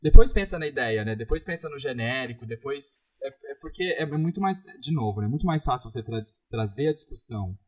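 Man, husky, mid-pitched, reflective, many restarts. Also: lively intonation, fairly quick, few pauses. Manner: thoughtful, restarts often, agrees and builds on points. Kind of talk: conversational discussion.

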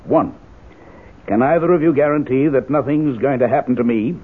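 Worried, stubborn rich man played by a male actor, curt delivery, slightly rough medium voice, narrow phone-like fidelity. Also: mid-range voice, normal speed, lightly acted. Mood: tense, insistent. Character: anxious, stubborn wealthy male blackmail victim. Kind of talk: 1970s American radio drama acting. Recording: narrow-band, muffled old radio broadcast.

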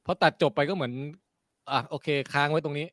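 Excited man in casual movie chat. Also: fairly high pitch, fairly quick. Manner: excited, swears casually, trails off searching for words. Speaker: film discussion panelist.

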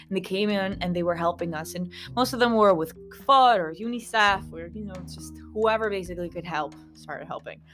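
A woman in her thirties from Kosovo with an American-influenced English accent, hosting a podcast in a rambling, chatty monologue full of asides to listeners. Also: on the low side. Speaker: podcast host. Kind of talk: casual reflective monologue.

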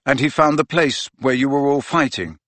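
A man's voice: mid-range voice, normal speed, fairly bright tone, no echo, voice pushed up, close to an everyday voice. A man voicing an angry, driven teenage boy wizard with an intense, pressing manner.

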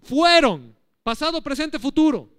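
A man's voice: very high-pitched, animated, a little slow, noisy background. A man preaching a sermon in church, teaching and asking the congregation questions. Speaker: pastor.

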